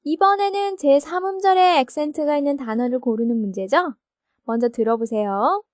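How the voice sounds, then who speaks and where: A woman teaching English grammar in a recorded textbook lesson, explaining slowly and checking each point with her listeners. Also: high-pitched, darkish tone. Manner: slow, explanatory, asks confirming questions.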